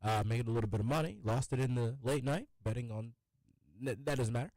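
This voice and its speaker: A man's voice: mid-range voice, a little fast, a little mellow, no echo. Congested young male radio co-host. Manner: easygoing, rambling. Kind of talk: casual sports radio chat. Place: radio studio. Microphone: studio microphone.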